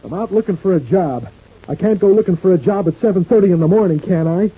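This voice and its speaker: A man acting a proud, gullible working-class husband in an old-time radio serial, with a plaintive, folksy, halting delivery. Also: high voice, husky. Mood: indignant. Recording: muffled old radio recording.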